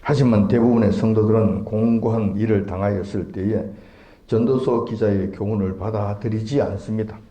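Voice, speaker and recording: A man preaching a sermon with a warm, mellow voice. His delivery is emphatic, rising sharply on rhetorical questions. The recording carries a roomy echo. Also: lowish voice, highs cut off.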